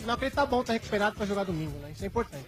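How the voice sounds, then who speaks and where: Male fan, live interview on the field: fast, high, excited slang, music behind. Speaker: listener and fan. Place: stadium pitch, outdoors.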